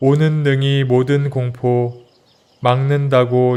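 Speaking at a very slow pace, a man with a medium pitch keeps his intonation monotone and flat. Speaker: scripture reader. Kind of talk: scripture reading.

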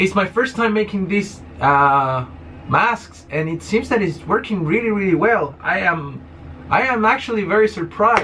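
Amid light background noise, a man speaks in a raised, projected voice at a fairly slow pace with lively intonation. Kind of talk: casual vlog chat. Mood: surprised, enthusiastic. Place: kitchen. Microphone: phone near.

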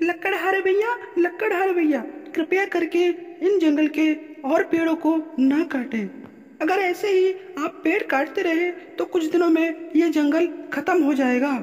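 A female-sounding, cartoonish character voice talks at a moderate pace with an extremely high pitch. Long, frequent pauses break up the speech over light background noise. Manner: polite, pleading, calm.

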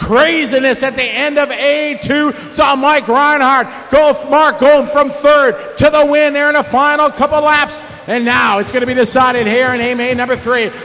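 A man speaks at a moderate pace in a raised, projected voice with fairly even intonation. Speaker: race commentator. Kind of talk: sports commentary. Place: hall.

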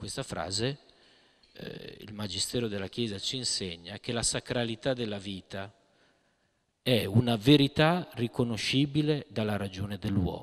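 A man at a moderate pace, with big swings in loudness, ordinary pitch variation, and long, frequent pauses against a quiet background. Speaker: priest and church history professor; speaker. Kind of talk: lecture. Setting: stage with audience. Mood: serious, reflective. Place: hall. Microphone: podium.

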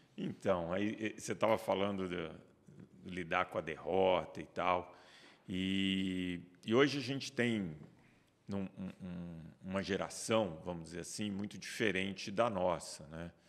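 A man talks at a very slow pace in a very deep, low voice. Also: long, frequent pauses, big swings in loudness. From Brazil. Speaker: radio and video host on wellness; radio, video host on wellness. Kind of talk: interview. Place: studio. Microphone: studio mic.

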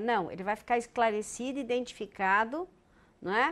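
A woman at a high pitch and fairly slow pace, with ordinary pitch variation. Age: 60s. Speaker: psychoanalysis teacher. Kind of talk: online live Q&A class. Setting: live online chat. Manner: conversational, explanatory. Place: home room. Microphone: lapel.

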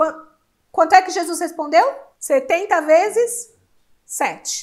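Over a quiet background, a woman speaks at a moderate pace in an animated tone with lively intonation. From Brazil. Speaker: online sales instructor for artisans. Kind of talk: online class. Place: home room. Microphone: lapel.

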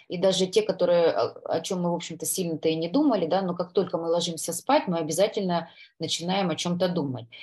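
A woman is speaking. Her pitch is fairly low. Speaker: neurologist and sleep doctor. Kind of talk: webinar lecture; course promotion. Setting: live stream with slides. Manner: hesitant, many fillers.

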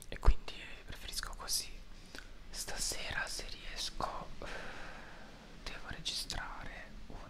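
A man talks at a very slow pace with long, frequent pauses. Noticeable background noise runs underneath. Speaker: ASMR creator. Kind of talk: ASMR whispering, casual talk to camera. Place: kitchen. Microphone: lapel.

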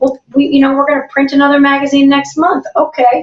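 A woman with a high pitch talks at a very fast pace against a quiet background, with audible room echo. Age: 40s. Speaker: magazine editor; guest. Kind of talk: interview. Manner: animated. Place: home room. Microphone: video call.

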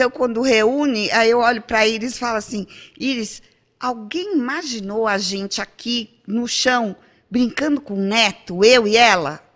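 A woman talks at a fairly slow pace with fairly high pitch and ordinary pitch variation. The background is quiet. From Brazil. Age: 60s. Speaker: artist; podcast guest. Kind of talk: casual chat. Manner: halting. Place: studio. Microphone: studio mic.

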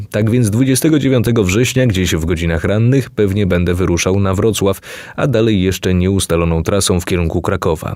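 Using an ordinary speaking voice, a man talks at a moderate pace and a fairly low pitch with ordinary pitch variation. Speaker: YouTuber. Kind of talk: reading aloud.

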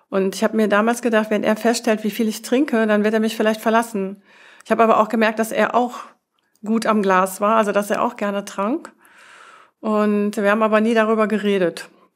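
A woman at a fairly quick pace, fairly high in pitch, with monotone, flat intonation against a quiet background. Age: 50s. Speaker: flight attendant and coach; coach. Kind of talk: personal testimony interview. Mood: reflective, calm, personal. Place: studio. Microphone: lapel.

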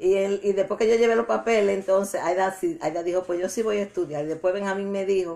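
Fairly even intonation marks this woman's dark, mellow tone. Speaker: retired schoolteacher, host's mother. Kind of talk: casual interview, life story. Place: home room. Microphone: phone near.

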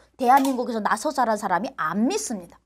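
A woman speaks at a fairly quick pace. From North Korea. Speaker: YouTuber, North Korean defector. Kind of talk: casual film review monologue.

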